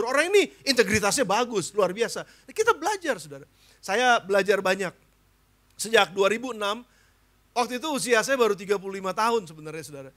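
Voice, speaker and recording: A pastor from Indonesia in his fifties delivers a sermon, talking straight to the people in the pews and checking that they follow him. His voice sits unusually high for a man and rings bright. He mixes formal preaching with casual asides. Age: 50s. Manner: addresses congregation as "Saudara", asks questions, mixes casual slang. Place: church.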